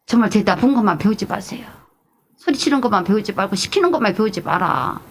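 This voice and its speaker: A middle-aged woman pastor preaching an animated sermon, moving between loud exclamations and hushed, whispered asides. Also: medium pitch, quick pace.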